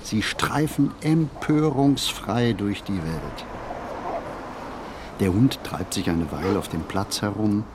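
A man playing a pensive city wanderer in a radio play, narrating a literary monologue with deliberate, measured phrasing and pauses. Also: lowish voice, lively intonation, background noise. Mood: musing. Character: pensive male city wanderer musing on modern life. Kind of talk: scripted literary monologue, reflective first-person narration.

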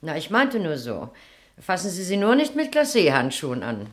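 Household cook, thirties, crime radio play: lowish voice, very varied intonation, fawning yet catty. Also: female voice, huge pitch swings, moderate pace. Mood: catty, insinuating. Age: 30s. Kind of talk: German radio crime drama acting.

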